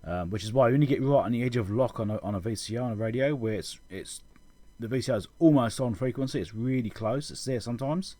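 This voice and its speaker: A man giving an informal technical explanation as a channel host, halting and correcting himself as he thinks aloud. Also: mid-range voice, dark tone, dry recording. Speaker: electronics repair channel host.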